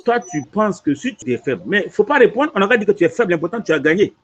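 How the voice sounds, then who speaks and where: This imam talks fast in a high-pitched voice with a breathy edge, answering questions about a religious teaching. He keeps repeating points in a lively way and checks understanding with frequent "tu vois." The recording sounds dull and lo-fi.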